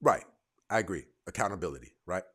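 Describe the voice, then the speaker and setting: A man hosting a live call-in debate show, confrontational, firing rapid leading questions at his guests. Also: sits low, expressive, pushed and bright, breathy edge. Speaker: host.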